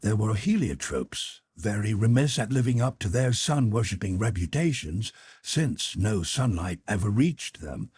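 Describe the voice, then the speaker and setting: A man narrating a literary audiobook in a measured, expressive storytelling manner. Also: on the low side, husky, dry recording, clean studio sound.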